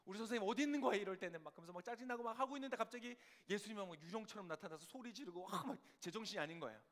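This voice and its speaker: High-voiced male pastor preaching in a reverberant hall. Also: very fast. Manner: rhetorical questions, sudden swings between soft and loud. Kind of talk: sermon.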